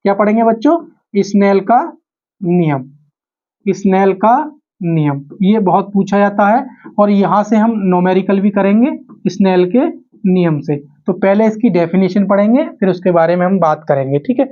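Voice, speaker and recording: A man's voice: sits high, normal speed. A man teaching a physics class, repeating key phrases and asking questions that he answers himself. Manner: repetitive, asks questions and answers them himself. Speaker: physics teacher for exam coaching. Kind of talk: classroom lesson to camera. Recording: dull lo-fi audio.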